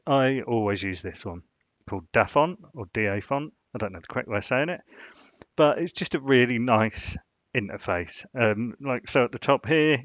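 In a dry, dull, lo-fi recording, a design channel host walks through a relaxed screen-share tutorial. His mid-range voice has a bit of brightness, and he rambles, filling pauses with "you know."

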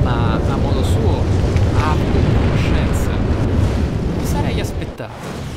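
A man giving playthrough commentary on a roleplaying game, musing aloud in an emphatic way. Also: a little high. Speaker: gameplay host. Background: game music behind the voice.

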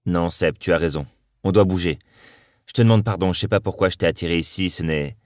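A man reading the lines of a patient, loving young woman in an audiobook, in a soft, earnest way. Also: low-pitched, brisk, dry recording, studio quality, close to an everyday voice. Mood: flustered.

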